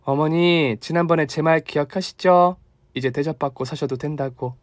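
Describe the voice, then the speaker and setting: A man voicing a generous, lively young daughter-in-law with a Gyeongsang dialect, earnest and teasing. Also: fairly high pitch, normal speed, dry recording, studio quality, close to an everyday voice. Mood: eager.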